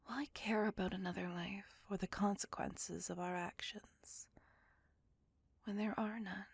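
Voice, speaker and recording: A woman voicing a brooding, possessive female vampire in a whispered ASMR roleplay, speaking in a soft, breathy, gravelly whisper close to the mic. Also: medium pitch, steady tone, measured pace, dry recording. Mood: brooding confessional. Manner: soft confessional whisper throughout.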